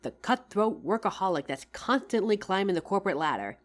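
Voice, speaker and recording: A woman's voice: mid-range voice, animated, fairly quick, natural voice. A woman playing a loving, tired career-woman wife in an intimate audio roleplay, speaking tenderly and teasingly as if to her husband. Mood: tender, reflective.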